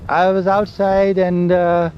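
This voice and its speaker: An older man, slowly recalling old memories in an oral history interview, with a loud voice. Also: high-pitched, completely flat delivery. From India. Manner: slow, halting storytelling of memories. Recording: dull lo-fi recording with faint hiss and vehicle sounds.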